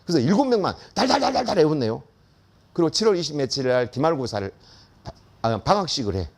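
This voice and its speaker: A man's voice: on the high side, fast, creaky. An older man giving a storytelling lecture, acting out the voices of the people in his story and laughing often. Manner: animated, acts out quoted voices, laughs often. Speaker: school principal giving a lecture.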